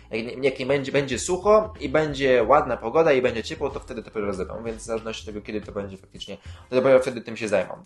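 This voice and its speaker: A man hosting a casual news roundup, rambling with filler sounds and self-corrections, and dropping dry sarcastic asides. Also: mid-range voice. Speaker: YouTube host covering city transit news.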